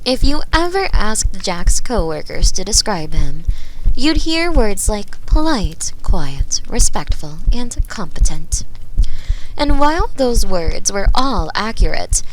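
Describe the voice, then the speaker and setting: A woman reading a story in a soft ASMR narration style, gentle and measured, close on a binaural microphone. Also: medium pitch, sing-song, slight background noise, rough recording. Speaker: storyteller reading bedtime stories as sleep aid.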